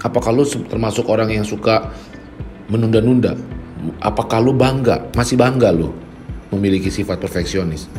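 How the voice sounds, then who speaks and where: Over music in the background, a man talks at a moderate pace with a medium pitch and ordinary pitch variation. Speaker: motivational speaker. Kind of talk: motivational spoken-word talk. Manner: casual Jakarta slang, direct.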